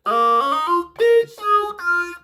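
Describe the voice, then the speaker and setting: A woman's voice: extremely high pitch, sing-song, extremely slow, over loud music. A woman's voice delivering melodic lines from a song. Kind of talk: slow sung vocal lines from a song. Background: musical instrument playing.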